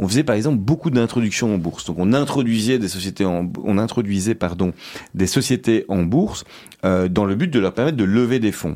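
This man's medium-pitched voice has a dark, mellow tone and lively intonation. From Belgium (Brussels area), born in Paris. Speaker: business owner, mergers and acquisitions advisor. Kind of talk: radio interview. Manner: hesitant, many fillers.

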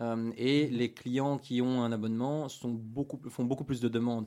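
Silent in the background and very clean, the recording holds a man's dark, mellow tone. His pitch is medium and his intonation fairly even. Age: 30s. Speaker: startup founder. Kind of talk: radio interview.

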